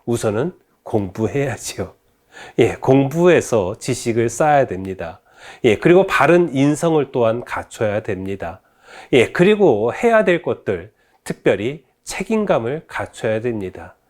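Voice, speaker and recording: Lively man giving a faith lesson. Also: mid-range voice, unhurried. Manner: storytelling, rhetorical questions, frequent "ye" fillers. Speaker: Catholic faith educator. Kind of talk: faith education lecture.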